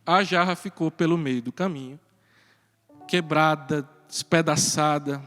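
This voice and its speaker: Priest from the Northeast, earnest homily storyteller, light chuckles, voice high for a man, heard in an echoing church. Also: a little slow. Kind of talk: homily at Mass. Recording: reverberant church with soft music.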